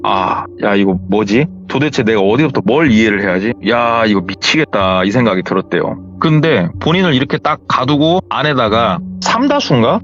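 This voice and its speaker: Animated man telling a horror story. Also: mid-range voice. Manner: animated, conversational, dramatic retelling. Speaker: horror story radio host. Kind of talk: storytelling narration of a true horror tale. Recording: dull lo-fi with faint music.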